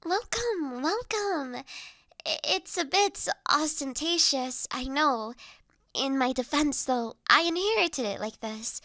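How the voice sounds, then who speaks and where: A woman playing a gentle, courteous young noblewoman who looks after the listener in an intimate roleplay audio drama, with soft, formal, old-fashioned phrasing. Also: sits high, dry recording, clean studio sound, heavily acted. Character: gentle, courteous young noblewoman, doting new master of an automaton.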